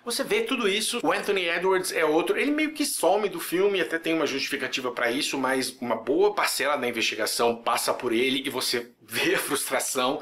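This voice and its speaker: A man giving a casual film review, lively and jokey, often breaking into quick mock voices and dialogue. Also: on the high side. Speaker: film critic.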